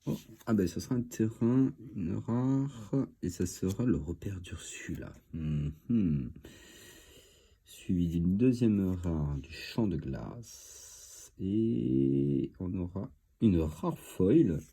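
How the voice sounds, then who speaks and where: This card-opening video host has a cold and sounds stuffy as he casually chats through booster packs, thinking aloud with plenty of fillers. His low voice is warm and breathy, with lively intonation and a slow pace.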